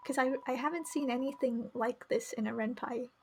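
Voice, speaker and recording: A woman's voice: on the high side, brisk, slight background noise. A woman game streamer reading narration aloud and chatting casually as she plays. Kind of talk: live read-aloud narration with casual commentary. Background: faint music.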